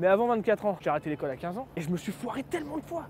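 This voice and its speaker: Noticeable background noise sits behind the clip. Over it, a man talks in a high pitch. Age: 20s. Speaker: fitness YouTuber. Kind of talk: vlog. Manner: casual.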